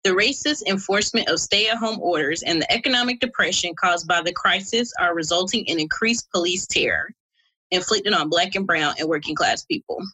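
A woman's voice: lowish voice, animated, fairly quick, bright, forceful tone, breathy edge, poor audio. A woman from South Carolina, an activist, delivering a prepared political speech with impassioned, militant revolutionary oratory. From South Carolina, United States. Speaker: activist speaker.

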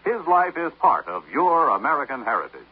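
Lively, husky male announcer on dull vintage radio. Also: fairly high pitch, brisk. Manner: lively, quizzing. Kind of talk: scripted history spot. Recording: dull old radio broadcast.

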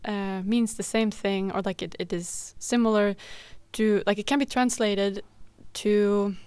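A woman's voice: mid-range voice, steady tone, measured pace, a little mellow, clear, resonant tone, no room sound. Young Belgian woman chatting on student radio. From Belgium, Limburg in Flanders. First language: Dutch. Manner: chatty, explains at length with fillers. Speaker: radio show host and guest. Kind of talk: casual radio chat.

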